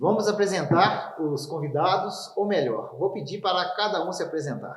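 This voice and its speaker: Here a man talks at a moderate pace. His voice is high-pitched, with ordinary pitch variation. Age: 40s. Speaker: podcast host, cyclist. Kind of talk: podcast interview. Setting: bar tasting room.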